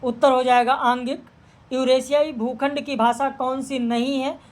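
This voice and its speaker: A high-pitched woman teacher goes through exam practice questions, reading each aloud. Her delivery is flat, and she verifies the answers in a brisk, matter-of-fact tone.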